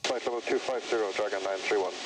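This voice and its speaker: A man speaking as a pilot, reading back clearances over aviation radio. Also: fairly low pitch, fast. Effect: aviation radio transmission. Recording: noisy, distant aviation radio.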